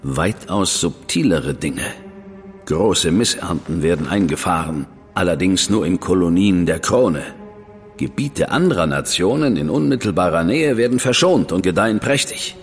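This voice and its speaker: An actor playing a cool, arrogant government official who speaks in a measured, superior, quietly threatening way. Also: male voice, low voice, expressive, slightly rough, long reverb tail, faint music behind, exaggerated voice. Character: cool, arrogant high official, man, middle-aged. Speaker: government official recruiting an investigator. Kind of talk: radio play acting.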